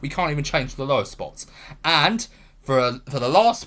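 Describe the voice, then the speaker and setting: The voice belongs to a man. He speaks with an English accent. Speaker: film reviewer. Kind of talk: rant. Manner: loud; halting.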